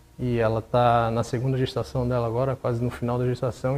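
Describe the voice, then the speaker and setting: A man delivers his words at a fairly quick pace in a monotone, flat intonation. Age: 30s. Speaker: fire brigade commander. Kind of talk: interview. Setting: studio. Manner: halting. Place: studio. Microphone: lapel.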